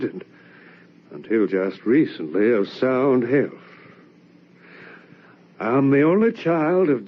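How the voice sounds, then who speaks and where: A brooding, sickly young gentleman. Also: mid-range voice, husky. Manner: weary, brooding, quick to snap. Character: troubled wealthy young gentleman, sickly and irritable. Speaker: narrator and lead character. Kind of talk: 1940s radio acting. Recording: dull old radio recording.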